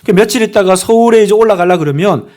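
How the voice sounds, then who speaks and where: High-voiced emphatic male pastor preaching. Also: fast. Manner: emphatic, with sudden swings between loud and hushed. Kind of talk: sermon.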